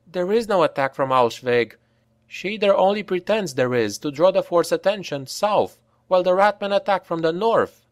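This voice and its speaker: A man voicing a sharp-witted young woman soldier who explains things quickly. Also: high voice, expressive, no echo, clean studio sound, voice pushed up. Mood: knowing.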